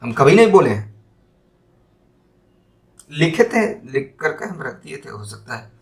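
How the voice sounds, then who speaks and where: A man giving a spoken lesson on communication, stressing single words and drawing out example sentences slowly. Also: a little high, big pitch swings. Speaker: teacher.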